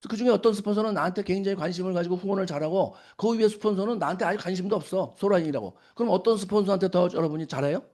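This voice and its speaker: Fast, high-voiced man lecturing a crowd. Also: darkish tone. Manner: asks the audience questions and answers them himself; acts out quoted scolding lines. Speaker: business seminar speaker. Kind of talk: lecture to an audience.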